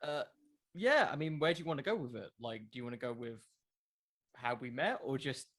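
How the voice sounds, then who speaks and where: Casual mid-pitched male podcast guest. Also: brisk, fairly bright tone. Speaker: podcast creator being interviewed. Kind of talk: casual interview chat.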